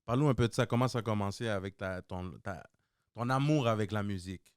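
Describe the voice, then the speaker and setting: Joking Québécois podcast host. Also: male voice, lowish voice, fast, clean tone, no room sound, studio quality. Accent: Québécois French. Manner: loose, joking, repeats himself, slangy. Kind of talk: casual podcast chat.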